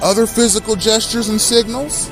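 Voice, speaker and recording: High-pitched guy in his 30s ranting straight at the camera, hammering each word slow and heavy, faint music underneath. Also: fairly even intonation. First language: English. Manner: accusatory, emphatic, slow deliberate stresses. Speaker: host. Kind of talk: impassioned direct-address monologue.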